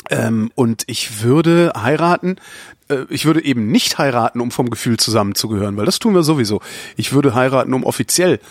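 A man's voice: medium pitch, animated, fairly quick, no room sound, clean studio sound. A man hosting a podcast, chatting casually and bluntly, reading out listener questions. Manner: blunt, swears casually, reads listener mail aloud. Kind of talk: casual chat.

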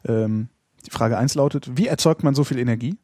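Male podcast host. Raspy, dry studio sound, informal deadpan chat. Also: medium pitch, fairly quick, dry recording. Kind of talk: casual chat, answering listener questions.

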